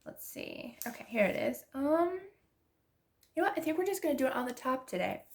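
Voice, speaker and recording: A woman's voice: sits high, sing-song, brisk. A young woman with a stuffy nose from allergies, chatting casually and gushing as she decorates her planner. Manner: chatty, gushing, restarts often. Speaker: planner vlogger.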